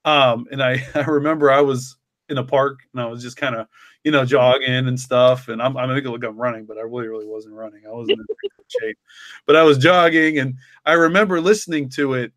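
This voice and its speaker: A man's voice: mid-range voice, brisk, a bit bright, no echo. A man talking casually and reflectively, rambling with lots of "like" and "you know". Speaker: podcast co-creator and story author.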